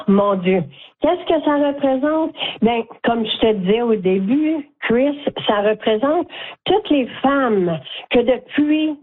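An older Franco-Ontarian woman speaks warmly and with real enthusiasm, her words unhurried and drawn out. She comes through a thin, tinny phone line on the radio. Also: medium pitch. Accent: Franco-Ontarian French. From Northern Ontario, Canada. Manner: enthusiastic, heartfelt, exclaims often. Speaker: interview guest, community volunteer.

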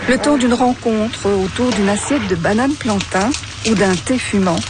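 A woman reporter reading a gentle, evocative scripted narration. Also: medium pitch, a little slow, background noise.

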